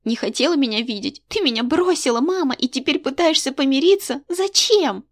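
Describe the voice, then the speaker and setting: A woman's voice: sits high, lively intonation, moderate pace, voice pushed up. A woman doing a scornful schoolgirl. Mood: accusing. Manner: sharp, scornful, raised voice. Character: angry resentful schoolgirl daughter, cold and accusing.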